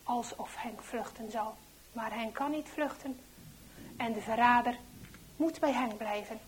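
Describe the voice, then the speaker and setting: A woman reading a Christian children's story aloud with slow, emphatic storytelling. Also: fairly high pitch, slight background noise, rough recording.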